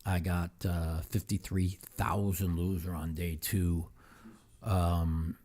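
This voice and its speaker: A man's voice: deep voice, little pitch movement, takes it slowly, mellow. A man hosting a casual podcast monologue, rambling with many fillers and repeated words. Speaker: podcast host. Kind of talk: casual monologue on football and poker.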